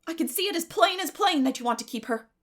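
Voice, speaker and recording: A woman voicing a stern, practical older spinster in an audiobook, with a brisk, scolding, emphatic manner. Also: very high voice, animated, fairly bright tone, pitched above the performer's own voice. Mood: astonished, indignant.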